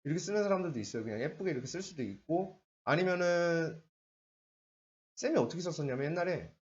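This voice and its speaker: A man's voice: on the high side, lively intonation, fast. A young adult man teaching a math lesson at a board, chatting casually and mixing polite and casual speech. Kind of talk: casual blackboard lecture. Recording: dull lo-fi lecture recording.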